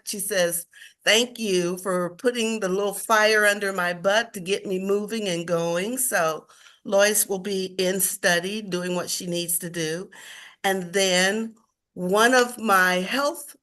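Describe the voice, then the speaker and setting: A woman chatting upbeat and animated on a group video call, telling how her work went. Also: medium pitch. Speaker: insurance agent and team member on a call.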